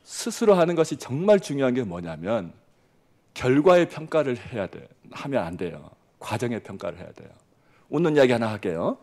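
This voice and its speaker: A man in his forties from Jeolla, preaching a sermon as pastor with lively storytelling that swings between loud and hushed. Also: medium pitch, normal speed. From Jeolla, South Korea.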